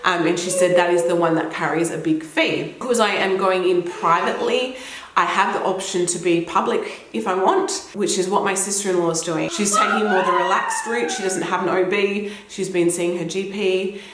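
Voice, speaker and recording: A woman's voice: on the low side, normal speed, background noise. Chatty Australian woman in echoey room. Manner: chatty and rambling, laughs often. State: slightly throaty from a cold. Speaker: vlogger. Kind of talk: casual chat to camera.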